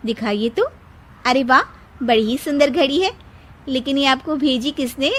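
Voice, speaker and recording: A woman's voice: sits high, moderate pace, voice pushed up. A woman voicing a spoiled, scheming young wife in a storybook tale, whiny and wheedling. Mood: sweet. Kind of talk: storybook character voice.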